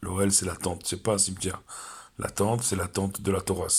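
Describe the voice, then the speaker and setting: A man speaks in a somewhat breathy voice with monotone, flat intonation. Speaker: Torah teacher. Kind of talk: religious talk to camera. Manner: halting, with many hesitations.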